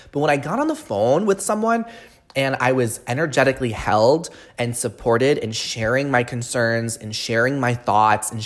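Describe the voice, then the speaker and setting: The speaker is a man, a coaching trainer and podcast host, whose voice is medium in pitch. He keeps asking if the listener is following while he explains things with earnest emphasis in a solo, promotional podcast segment.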